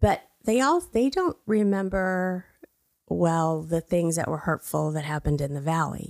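Speaking fairly slowly with an American accent, a woman uses a fairly low pitch and ordinary pitch variation. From Texas. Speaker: therapist. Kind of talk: casual chat.

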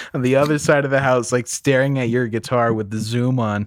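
At a fairly quick pace, a man with an unremarkable speaking voice talks with ordinary pitch variation in a very clean recording with a silent background. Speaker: podcast co-host. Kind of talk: casual chat.

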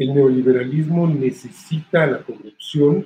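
A man is speaking. His voice is somewhat breathy. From Mexico. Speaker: columnist. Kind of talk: political discussion.

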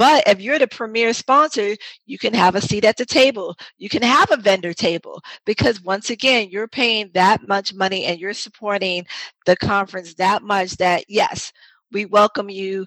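A woman with a New York accent talks at a moderate pace in a medium pitch, her pitch varying in an ordinary way over a dry, close sound with no echo. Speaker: massage therapist and sports trainer. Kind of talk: interview. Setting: video call.

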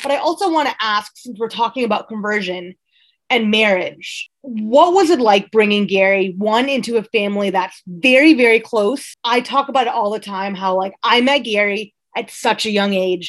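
Very clean and silent in the background, this recording has a woman talking in a plain, everyday voice at a fairly high pitch. She keeps a moderate pace with ordinary pitch variation and hardly any pauses. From Atlanta, US South. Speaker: podcast host. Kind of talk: casual chat.

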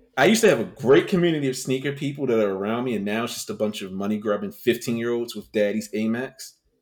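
Very fast and animated, a man talks at medium pitch with ordinary pitch variation. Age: 30s. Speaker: sneaker podcast co-host. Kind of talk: casual chat.

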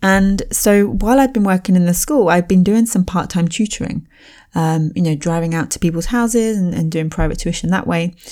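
A woman with an English accent speaks at a moderate pace in a dark, mellow tone, on a very clean recording with a silent background. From UK. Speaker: language teacher and content creator. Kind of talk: interview conversation.

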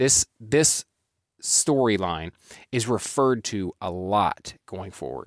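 The recording is very clean, with a silent background. Its sound is dry and close, with no echo. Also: man. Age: 30s. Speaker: book reviewer, YouTuber. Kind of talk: solo book review monologue. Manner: hesitant, many fillers and repetitions.

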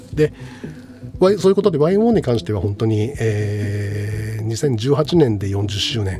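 This man talks at a fairly slow pace with a fairly low pitch. Noticeable background noise runs behind him. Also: ordinary pitch variation. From Tokyo, Japan. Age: 60s. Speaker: music producer and agent. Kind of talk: solo podcast monologue. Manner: frequent fillers (えー).

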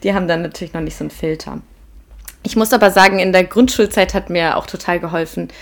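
A woman with a fairly low pitch speaks at a very fast pace with fairly even intonation. Vocal fry runs through her voice. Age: 20s. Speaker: art student. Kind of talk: casual chat.

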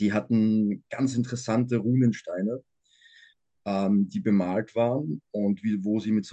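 With a quiet background and a dry, close sound with no echo, a man speaks fairly slowly at medium pitch in a dark, mellow tone. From Vienna, Austria. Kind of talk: casual chat.

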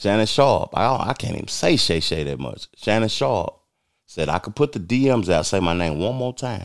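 A man with a fairly low voice and vocal fry speaks at a moderate pace with very wide pitch swings, recorded very cleanly against a silent background. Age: 40s. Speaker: podcast host. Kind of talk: casual commentary. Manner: animated.

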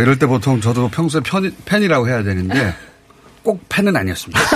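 Amid noticeable background noise, a man at medium pitch talks at a very fast pace with very wide pitch swings and very even loudness. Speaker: radio news show host. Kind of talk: interview. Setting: studio.

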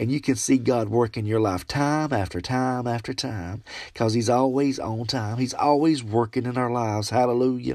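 A man speaks at a moderate pace with hardly any pauses. His pitch is medium, and the recording is very clean with a silent background. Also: fairly even intonation. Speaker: devotional podcast host. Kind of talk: devotional teaching. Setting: solo podcast recording. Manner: halting.

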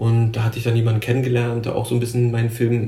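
There is audible room echo and noticeable background noise as a man talks. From Berlin, Germany. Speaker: film director. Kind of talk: casual interview.

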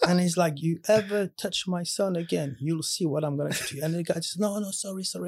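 A man with a French accent speaks at a fairly quick pace in a high pitch, his intonation fairly even and hardly any pauses between his words. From France, Lyon. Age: 30s. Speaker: cook and social media video maker. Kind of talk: casual chat. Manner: halting.

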